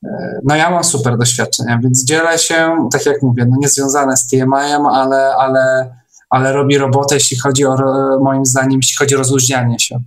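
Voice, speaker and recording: Man chatting casually, halting delivery. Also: mid-range voice, little pitch movement. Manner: halting, repeats words. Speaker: online meeting host. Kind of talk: casual online discussion.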